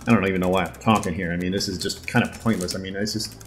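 A man's voice: sits low, fairly even intonation, racing, soft background music, lightly acted. Man acting as a sarcastic, blustering corporate boss. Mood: irritated, scornful. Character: cynical, foul-mouthed, self-important corporate boss. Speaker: voice actor in an audio drama. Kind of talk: audio drama monologue and phone dialogue.

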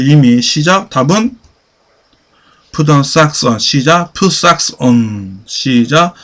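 A man teaching a basic English class, repeating phrases slowly and pushing students to answer. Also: mid-range voice. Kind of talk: classroom lecture.

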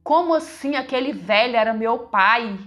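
A woman with a fairly high voice tells a dramatic first-person story, emotional and conversational. She addresses her listeners directly as she goes, like someone confiding a personal tale. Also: lively intonation, moderate pace, fairly bright tone, soft background music.

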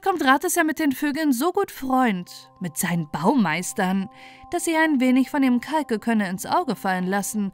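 A woman's voice: a little high, close to an everyday voice. A woman voicing a sly, wicked queen in a fairy tale, insistent and persuasive. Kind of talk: storybook character voice.

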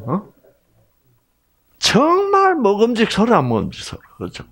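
Animated older man giving a health lecture. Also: high-pitched, normal speed. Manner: animated, swings between exclaiming and hushed asides. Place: large indoor lecture hall with stage.

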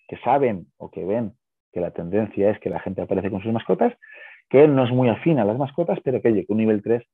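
A man talks on a thin, phone-like video call. His voice sits fairly low and is notably husky, with very little room around it. He explains things conversationally, punctuating them with little checking questions. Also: a little fast, no echo. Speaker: guest, pet-business co-founder.

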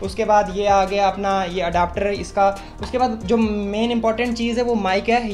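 A young man, chatting step by step as he demonstrates gear at a desk. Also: sits high. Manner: chatty, explains step by step, mixes English words. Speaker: moto vlogger. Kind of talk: casual tutorial demonstration. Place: small room at a desk.

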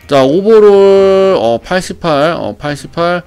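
Excitable thirties male streamer, loud, laughs a lot, headset. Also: high voice, slow pace, clear, resonant tone. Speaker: game streamer. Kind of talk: casual live-stream chat. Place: small home room. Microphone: headset mic.

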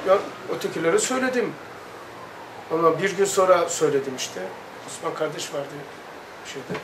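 A high-pitched man leads a religious study lesson in an earnest, emphatic way, stretching words and imitating sounds as he tells his story. He sounds far from the mic in a reverberant room, with a light hiss underneath. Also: animated, normal speed. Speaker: religious study circle teacher. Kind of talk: recounting a personal experience and reading aloud in a study lesson. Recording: echoey room, distant mic, light noise.

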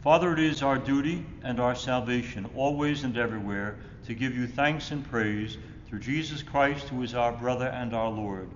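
A man in his sixties, a Catholic priest reciting Mass prayers solemnly in measured phrases, recorded at the altar of a church. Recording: echoey church reverb, muffled, rumbling noise.

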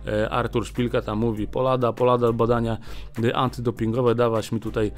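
A man's voice: medium pitch, level tone. Chatty man hosting a boxing news show. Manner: chatty, many filler "e" pauses. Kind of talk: casual news commentary. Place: small indoor studio with a boxing backdrop. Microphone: desk mic on a small stand.

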